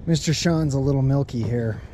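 A man in his thirties hosting a fishing vlog outdoors by a mountain river, talking excitedly and saying "dude" a lot. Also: medium pitch, a little fast. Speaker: fly fishing show host. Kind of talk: casual outdoor vlog narration. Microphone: body-worn action camera. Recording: faint wind and river noise.

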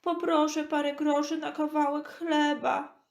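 Blind beggar man played by a woman, children's Bible tale: raised high pitch, slow pleading cries, echoey room. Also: flat delivery, gravelly. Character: blind male beggar, pleading, desperate, full of hope. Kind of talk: children's Bible audio story.

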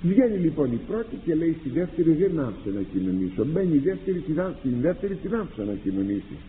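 A man, a priest and confessor, delivering a sermon with animated rhetorical questions and acted-out exchanges. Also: a little high, slight background noise. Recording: tinny lo-fi archive recording in a reverberant hall.

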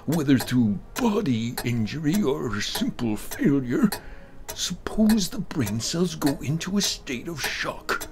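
Man playing a high-pitched, emphatic old gentleman. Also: very animated, takes it slowly, exaggerated voice. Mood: insistent, excited. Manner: emphatic, theatrical, repeats himself. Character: elderly male doctor friend, genial, insistent, argumentative host. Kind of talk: dramatized horror story reading.

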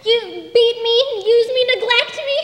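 Seeking young woman as lovesick Shakespearean maiden: very high, piercing, pleading, stubborn, echoing theatre. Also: little pitch movement, normal speed, a bit bright. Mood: desperate adoration. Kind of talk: staged Shakespeare reading. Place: stage in large auditorium. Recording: echoey hall, faint noise.

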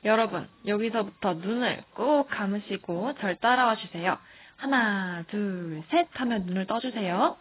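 A woman's voice: medium pitch, unhurried, breathy edge, lo-fi sound. A young woman narrating a walking tour, speaking cheerfully and directly to her viewers. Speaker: tour guide. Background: music.

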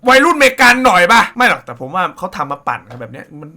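A young man hosting a casual comedy reaction show, loud and crude, with frequent exclamations. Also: high voice, sing-song, rapid-fire. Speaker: reaction video host.

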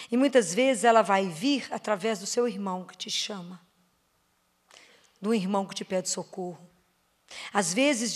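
Addressing a parish prayer group in a church or parish hall, a Brazilian Portuguese-accented woman delivers a sermon. She questions her audience, draws out emphasized words and lowers her voice softly on important phrases.

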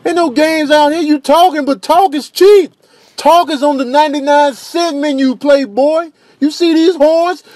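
Guy doing a swaggering trash talking cartoony animal, slangy, pitched way up. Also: fairly even intonation, moderate pace, darkish tone. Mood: cocky, taunting. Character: cocky streetwise horned animal talking tough trash. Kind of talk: comedic animal voiceover.

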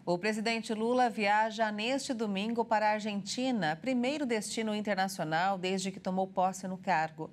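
A woman news anchor reading scripted headlines clearly and formally in a TV studio. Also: medium pitch, fairly even intonation, normal speed, few pauses.

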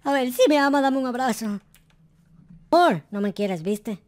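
Man playing a high-pitched whiny noob boyfriend. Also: normal speed, a little mellow. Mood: affectionate. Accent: Latin American. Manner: stammering, melodramatic. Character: whiny, clumsy noob boyfriend, mischievous and pleading. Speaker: gaming YouTuber. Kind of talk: improvised Minecraft roleplay.

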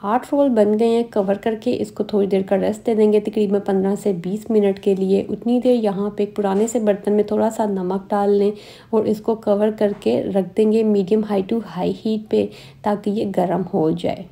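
A woman hosting a cooking lesson in voice-over, speaking. Her voice is very dark and mellow with a gravelly edge. She explains each step calmly and plainly. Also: medium pitch, moderate pace. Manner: calm step-by-step instructions. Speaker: cooking channel host. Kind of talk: recipe voice-over.

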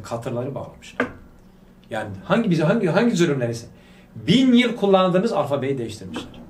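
A man leads a religious study talk with fervor, throwing rhetorical questions and coaxing the audience to reply. His mid-pitched voice comes from a distance in a reverberant hall. A faint background hiss sits under the speech. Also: a little mellow. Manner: fervent, fires rhetorical questions at listeners; prompts the audience to answer aloud. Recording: echoey room, voice picked up from afar.

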